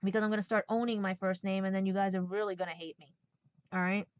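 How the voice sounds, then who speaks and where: A woman's voice: mid-range voice, steady tone, fast talker, a little mellow, dry recording. A woman in her forties giving a blunt, sarcastic personal rant, swearing and checking in with "right?" and "okay?". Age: 40s. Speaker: podcast host. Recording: dull, lo-fi sound.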